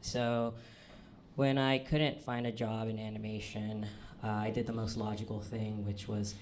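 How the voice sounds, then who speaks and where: A young trans man telling self-deprecating stand-up stories on a comedy club stage, halting often with ums and uhs. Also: level tone, darkish tone. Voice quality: fairly low, manly voice. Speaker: stand-up storyteller. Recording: live club recording with audience noise. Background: audience laughter.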